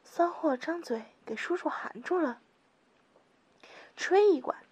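A woman voicing a rough, bullying middle-aged man who barks coarse orders in an adult audio story. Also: very high voice, expressive, takes it slowly, darkish tone, pitched above the performer's own voice, full character voice. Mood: gruff, demanding.

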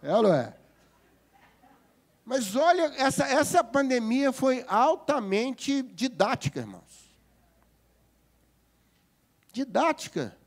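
High-voiced Brazilian pastor, joking sermon. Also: male voice, slow pace, pauses often. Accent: Brazilian Portuguese. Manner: lively, joking, asks the congregation for agreement. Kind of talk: humorous sermon.

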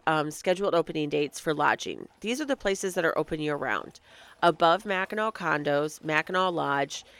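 A woman chats through her podcast in a low, smooth voice. A lingering cold leaves her slightly nasal and crackly. She talks casually and reads long lists at an easy pace. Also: a bit bright. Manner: chatty, reads lists of dates aloud. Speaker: podcast host. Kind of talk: casual solo podcast talk.

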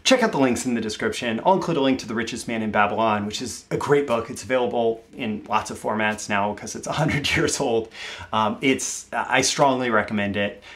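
A man's voice: medium pitch, fairly quick, fairly bright tone. Man talking casually about money, repeating for emphasis. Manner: conversational, repeats phrases for emphasis. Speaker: show host. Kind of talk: casual solo talk to camera about money.

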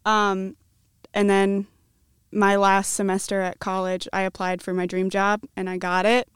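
A woman's voice: medium pitch, completely flat delivery, a little slow, clear, resonant tone, no echo, studio quality. A woman in her twenties from the American Midwest, chatting casually as a podcast guest in an upbeat, talkative way. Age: 20s. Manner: chatty, upbeat, many likes. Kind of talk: casual chat.

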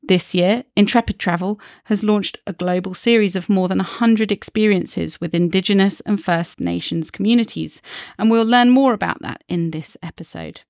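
A woman's voice: medium pitch, normal speed, a little mellow. Woman host reading a podcast script. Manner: smooth, read from script. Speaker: podcast host, travel journalist. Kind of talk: scripted podcast intro and ad read.

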